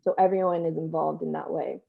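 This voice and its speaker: Female guest, lowish creaky voice, casual conversational delivery, tinny phone-quality sound. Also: little pitch movement, a little fast. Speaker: stage actor, panel guest. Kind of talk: casual interview chat. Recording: tinny, narrow phone-like call audio.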